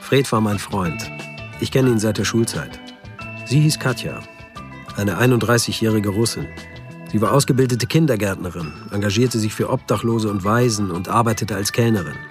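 An actor playing a middle-aged friend who recounts the story soberly and factually in a radio play. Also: male voice, fairly low pitch, animated, normal speed, music in the background, lightly acted.

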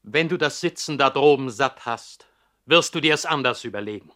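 An actor as a bright, forceful aristocratic father. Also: medium pitch, normal speed, lightly acted. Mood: threatening. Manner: strict, clipped, imperious. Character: stern, commanding aristocratic father, an adult baron. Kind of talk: 1960s German radio play acting.

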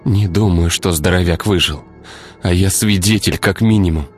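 A man's voice: moderate pace, darkish tone, faint music behind, natural voice. A male narrator voicing a frightened, furious young woman who sobs and stammers. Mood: shaken. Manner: sobbing, stammering, shrill outbursts.

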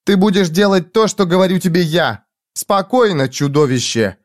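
A man's voice: expressive, moderate pace, lightly acted. Jisbella, a man doing a fierce scornful woman. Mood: commanding. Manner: mocking, commanding, shrill when angry. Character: fierce scornful young woman, sharp-tongued and bossy.

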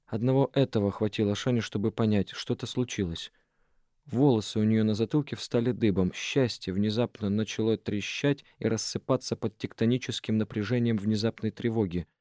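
Guy reading an audiobook, steady measured pace, super dry close mic. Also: lowish voice, no room sound. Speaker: audiobook narrator. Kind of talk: scripted narration.

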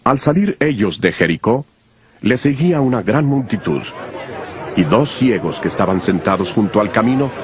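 A man narrates a scripture drama in a low voice with lively, expressive intonation. Music plays clearly beneath his measured reading. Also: some chatter behind.

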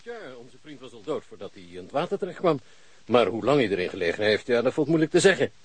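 An actor playing a chatty, gleefully morbid pathologist in a radio crime drama. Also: male voice, medium pitch, very animated, fast talker, husky, no room sound. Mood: amused, macabre. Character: jolly, macabre pathologist.

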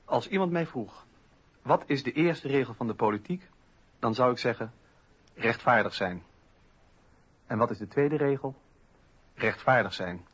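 A man playing a principled eighteenth-century French revolutionary philosopher, speaking deliberately and emphatically in a radio documentary drama. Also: mid-range voice, animated, fairly bright tone, slightly rough, muffled recording. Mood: firm conviction.

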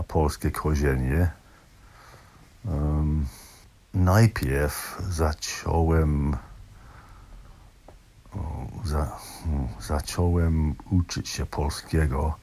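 Very deep, husky older man, English accent. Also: a little mellow. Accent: English accent in Polish. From southern England. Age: 60s or older. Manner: halting, hesitant, with broken-off words and repeats. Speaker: language learner sending a recorded message. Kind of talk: unscripted personal voice message.

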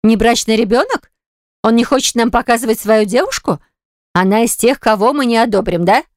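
A woman voicing an older mother and grandmother who nags and flares up quickly. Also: medium pitch, no echo, clean studio sound, lightly acted. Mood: indignant. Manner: emotional, scolding, nagging.

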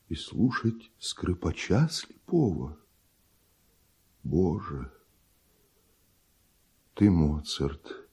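An actor playing a grave, severe, brooding composer in a verse radio play, with solemn, declamatory theatrical delivery. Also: male voice, deep voice, darkish tone, slightly rough, full character voice. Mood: reproachful.

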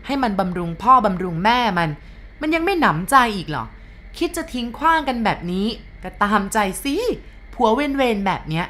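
Brash shrill wife, read out by a woman storyteller, loud and cutting. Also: big pitch swings, moderate pace. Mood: angry. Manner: loud, shrill, sharp-tongued. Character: brash scolding middle-aged Thai wife.

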